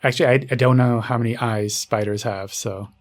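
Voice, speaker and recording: A man's voice: medium pitch, steady tone, brisk. A man co-hosting a podcast, chatting casually and putting questions to others. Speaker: podcast co-host asking questions. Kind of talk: casual chat.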